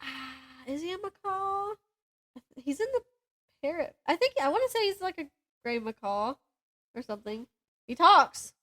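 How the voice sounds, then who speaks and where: Woman podcast cohost, high voice, super casual n chatty, slangy, acts out little quotes when telling stuff. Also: normal speed, pauses often. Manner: informal, slangy, animated retelling with acted-out quotes. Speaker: co-host of a book podcast.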